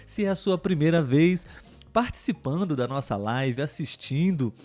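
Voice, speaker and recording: A Brazilian man hosting a live podcast for learners of Portuguese, welcoming listeners with many fillers and pauses. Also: fairly high pitch, animated, darkish tone. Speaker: podcast host and Portuguese teacher.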